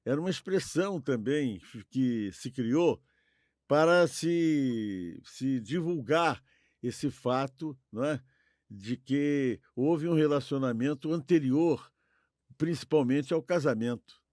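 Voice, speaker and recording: A man's voice: mid-range voice, takes it slowly, a little mellow, no room sound, clean studio sound. A man with a Brazilian accent hosting a podcast in a conversational way. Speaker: host.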